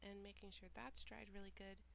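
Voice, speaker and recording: A woman with a head cold narrates her craft project, her voice stuffy and nasal, with a gravelly edge. She talks in an even, fairly flat tone, explaining each step plainly and adding small asides. Faint noise sits under the voice. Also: mid-range voice, brisk. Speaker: mixed media artist. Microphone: home voiceover recording.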